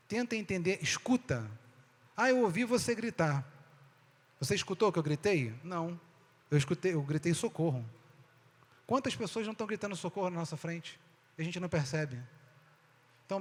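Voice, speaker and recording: A Brazilian man giving a talk to an audience, with a conversational style full of rhetorical questions. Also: high voice. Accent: Brazilian Portuguese. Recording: long hall reverb.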